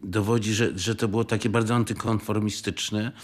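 An older man, sixty or more, reminiscing in a halting way with restarts and checks for agreement. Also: fairly low pitch, level tone. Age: 60s or older. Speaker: interviewee, former scout. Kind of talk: reflective reminiscence.

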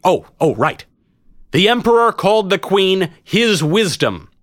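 A man acts out a reluctant fantasy knight, flustered and blustering. His pitch jumps around as he bluffs at heroism, in a dry, close storybook recording. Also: big pitch swings, moderate pace, dry recording. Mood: earnest. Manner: blustering, self-doubting, exclamatory.

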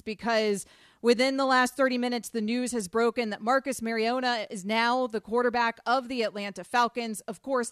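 A woman hosting a sports talk radio show, reading promos and questioning a guest in a brisk, upbeat, conversational way. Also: fairly high pitch, a bit bright, clean tone, no echo, studio quality. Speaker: radio host. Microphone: studio microphone.

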